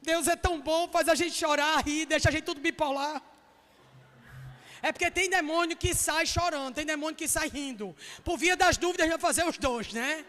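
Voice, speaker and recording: High bright Northeastern Brazilian woman preaching. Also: moderate pace, in a large hall. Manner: jokey and chatty, bursting into shouts. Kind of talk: lively humorous sermon. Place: church hall.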